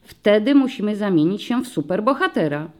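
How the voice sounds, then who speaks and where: A woman voicing a patient, friendly male police commissioner who explains things slowly to young children in an audiobook story. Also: mid-range voice, big pitch swings, a little mellow, lightly acted. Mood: explaining.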